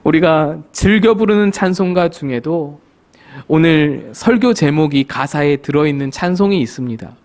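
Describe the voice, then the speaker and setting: A man's voice: a little high, normal speed, a little mellow. A male pastor delivering a church sermon, stressing points with short repeated phrases and rhetorical questions. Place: church sanctuary.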